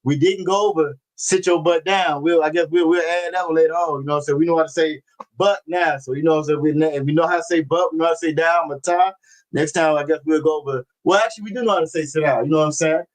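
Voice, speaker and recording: A man teaching a religious language class over a video call, reading scripture slowly and often repeating himself. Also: on the high side, steady tone. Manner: repeats phrases, constant "you know what I'm saying"; slow, deliberate scripture reading.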